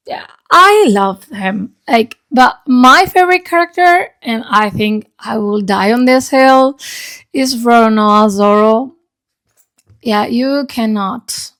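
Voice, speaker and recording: A woman's voice: on the high side, fairly bright tone. A woman giving a casual, chatty book review in an informal, sweary way, her voice grainy and unsteady as she recovers. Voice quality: unstable, grainy voice. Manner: informal, sweary, often checks in with "okay?". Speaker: book reviewer, video channel host.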